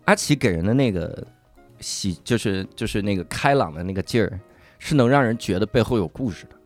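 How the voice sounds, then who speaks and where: A man hosting a podcast who trades quick quips and thoughtful remarks in casual conversation. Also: fairly low pitch, lively intonation, soft background music. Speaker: podcast host.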